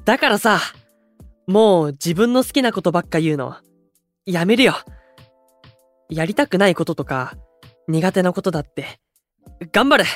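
Hyper boyish idol kid, blunt and slangy, anime audio drama, dry sound. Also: male voice, sits high, expressive, moderate pace, pauses often, a bit bright, no echo, soft background music. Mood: earnest, flustered. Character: bright, impulsive, straightforward young male station idol.

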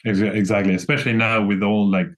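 A man's voice: fairly low pitch, flat delivery, quick pace. A young man from France with a French accent, a guest chatting casually, rambling with many restarts and fillers. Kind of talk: casual conversation.

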